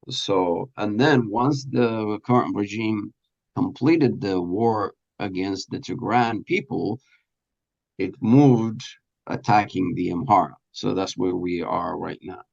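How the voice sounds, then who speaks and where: A man being interviewed, explaining earnestly in a halting, deliberate way with pauses mid-sentence. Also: low-pitched, creaky, dull audio. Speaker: radio presenter and producer being interviewed.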